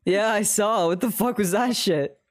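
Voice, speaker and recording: A man's voice: high-pitched, moderate pace. A young man streaming a game, chatting casually with a friend in a loose, joking, profane way. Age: teens. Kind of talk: casual gaming chat.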